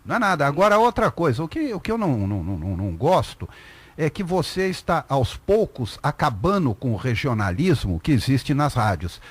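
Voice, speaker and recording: Lively, emphatic Brazilian radio co-host. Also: male voice, mid-range voice, brisk, slightly rough, dry recording. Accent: Brazilian Portuguese. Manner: opinionated, emphatic. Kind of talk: casual radio talk show chat.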